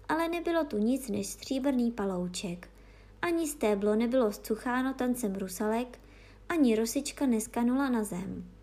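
A woman reading a fairy tale aloud as narrator, in a slow, measured and expressive way. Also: a little high.

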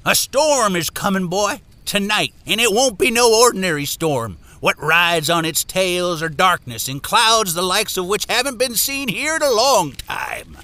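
Creepy folksy prophet type, audio drama, sharp highish voice, ominous and theatrical. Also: male voice, expressive, a little slow, few pauses, no room sound, full character voice. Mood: foreboding, gleeful. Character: eerie folksy man, menacing storm prophet.

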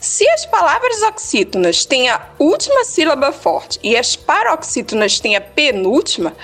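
A woman teacher, explaining word stress in an upbeat way on a scripted educational podcast. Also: high voice. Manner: lively, upbeat, didactic.

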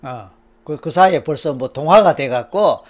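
A man with a high-pitched voice leads a counseling session. He coaxes and prompts, in a ceremonial, encouraging tone. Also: expressive, moderate pace. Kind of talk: guided trance counseling session.

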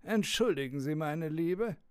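Timid servant: pitched well up, deferential, halting, anxiously courteous. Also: male voice, lively intonation, smooth, no room sound, studio quality, faint music behind. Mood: weary, polite. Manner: hesitant, submissive, overly polite. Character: timid, deferential male servant, nervously eager to please.

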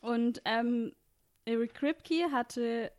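A woman's voice: a little high, extremely slow, a little mellow. A woman co-hosting a casual podcast about a TV series, chatty, with frequent fillers and laughs. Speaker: podcast co-host.

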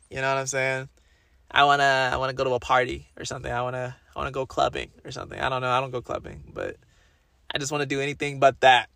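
Young man with a slightly raspy voice. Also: mid-range voice, bright, forceful tone, no room sound, clean studio sound. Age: young adult. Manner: rambling, slangy, repeats phrases for emphasis. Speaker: podcast host. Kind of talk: casual solo podcast chat.

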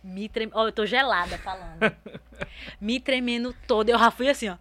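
A woman with a bright, ringing voice tells stories as an interview guest. She is a lively, expressive talker with a relaxed, chatty delivery. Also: on the high side, normal speed. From Northeast Brazil. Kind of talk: casual interview storytelling.

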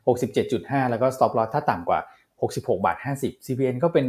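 A man working as a market analyst on a financial talk show, speaking at a quick clip in a mid-range voice. His delivery is chatty and loose, peppered with polite particles. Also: mid-range voice, expressive, a little mellow.

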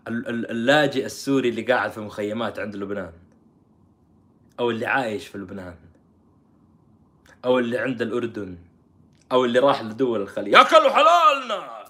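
A man's voice: lowish voice, fast talker, long pauses. A man giving heated political commentary, mocking and firing rhetorical questions.

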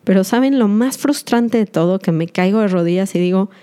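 A woman's voice: mid-range voice, brisk, warm tone, clear, resonant tone. A woman podcast host, earnest and confessional, speaking directly to her listeners in a reflective monologue.

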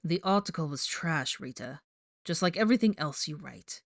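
A woman's voice: sits low, animated, no echo, clean studio sound. Woman playing an icy, controlled angry young man. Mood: cold contempt. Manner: cold, measured, deliberate.

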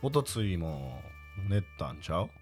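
A young man with a Kansai accent bantering on a podcast, playful and teasing. His low voice jumps around lively in pitch, and faint music plays under it. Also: a little slow. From Kobe, Japan. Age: young adult. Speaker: podcast co-host. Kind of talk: casual chat.

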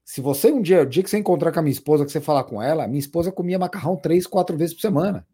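A man in easy, casual conversation, with a somewhat raised pitch. His voice is husky and mellow. He chats loosely and often repeats words for emphasis. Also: rapid-fire. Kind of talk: casual chat.

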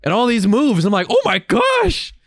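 A man's voice: very high voice, huge pitch swings, normal speed, creaky, fairly bright tone, no room sound. Rambling, enthusiastic man chatting, dry sound. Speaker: podcast host. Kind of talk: casual, profane conversation.

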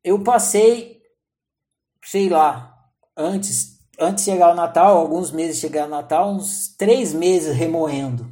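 Animated man telling a story. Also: fairly high pitch, slow pace. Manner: animated, acts out inner dialogue, frequent fillers. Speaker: spiritual teacher. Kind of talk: storytelling talk.

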